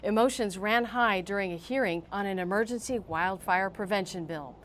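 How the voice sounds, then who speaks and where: A woman's voice: medium pitch, moderate pace, a bit bright, slight background noise. A woman with an American accent reading scripted news in a formal, emphatic newsreader delivery. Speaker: news reporter and anchor.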